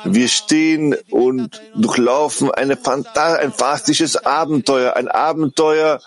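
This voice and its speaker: A man giving a halting live spoken translation of a heartfelt testimonial, often correcting himself as he goes. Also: medium pitch, steady tone. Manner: halting, self-correcting delivery.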